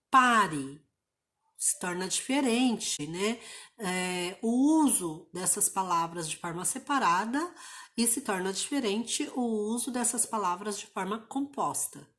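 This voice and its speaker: A woman from Brazil teaching an online English lesson, explaining pronunciation rules patiently and repeating example words slowly. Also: medium pitch, fairly bright tone.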